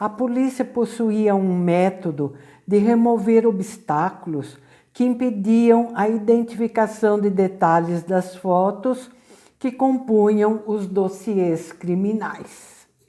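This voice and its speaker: A woman with a dark, mellow tone at a medium pitch speaks at a very slow pace with ordinary pitch variation. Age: 70s. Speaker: teacher. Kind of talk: audiobook reading.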